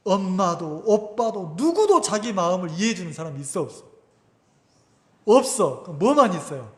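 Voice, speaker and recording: A male pastor preaching a sermon, animated, often asking the congregation questions. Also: high voice, normal speed. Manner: animated, asks the congregation questions, acts out quotes. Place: church sanctuary. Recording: reverberant church hall.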